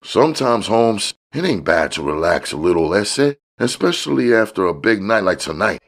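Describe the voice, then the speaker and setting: A man's voice: fairly low pitch, big pitch swings, moderate pace, voice pushed up. A man voicing a grinning, coaxing drug supplier in slangy, expansive talk for an audiobook. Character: grinning, mellow, wheedling male drug supplier, street-slang hustler.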